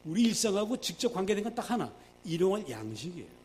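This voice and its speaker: A male pastor preaching a sermon, emphatic, swinging between loud and hushed, acting out quoted prayers. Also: high-pitched, big pitch swings, fast, a little hiss or hum.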